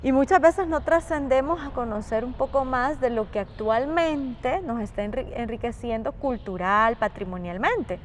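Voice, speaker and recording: A woman's voice: fairly high pitch, normal speed, hardly any pauses, slight background noise. A woman hosting an interview, chatty and affirming toward her guest. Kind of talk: interview conversation.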